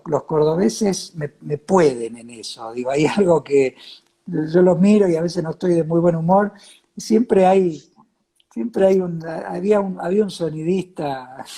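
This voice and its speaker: A man with an Argentine accent hosting a casual, reflective chat, halting and repeating words as he searches for phrasing. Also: fairly high pitch, creaky, warm tone, breathy edge. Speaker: host of a talk series.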